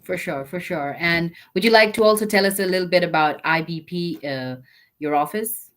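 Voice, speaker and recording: A woman's voice: on the low side, normal speed, a bit bright. A woman hosting a webinar interview, upbeat, often turning to address the audience as friends. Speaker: webinar host.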